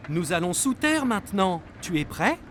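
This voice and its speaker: An actor playing a gentle, playful, encouraging father in a children's cartoon, reassuring and simple in phrasing. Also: mid-range voice, very animated, normal speed, a little hiss or hum.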